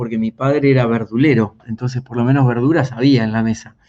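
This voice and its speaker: A man of medium pitch with an Argentine accent, a dark, mellow tone, fairly even intonation and a fairly quick pace. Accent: Argentine Spanish (Rioplatense). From Argentina, small town south of Buenos Aires province. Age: 50s. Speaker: executive coach and speaker. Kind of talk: interview.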